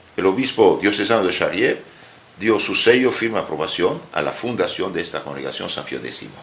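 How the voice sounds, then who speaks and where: A fairly quick pace against noticeable background noise. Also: man. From Syria. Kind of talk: interview. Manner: halting.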